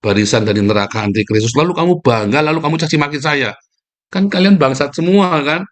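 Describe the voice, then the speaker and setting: A man preaching in a livestreamed sermon, combative and scornful, who keeps addressing his listeners directly and jumps up in pitch when he denounces his opponents. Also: fairly quick. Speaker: pastor.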